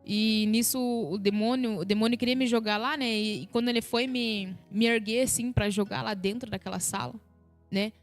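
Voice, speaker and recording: A woman with a notably high voice tells her spiritual testimony on a live stream. She speaks with feeling and keeps turning to her listeners as brothers and sisters, asking whether they follow. Soft music plays faintly behind her. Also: steady tone, moderate pace. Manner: emotional retelling, repeats "sabe, meus irmãos". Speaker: guest giving a religious testimony.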